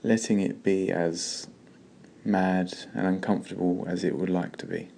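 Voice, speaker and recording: A man leading a guided meditation in a slow, calm, gentle way with long pauses. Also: low voice, creaky, slight background noise.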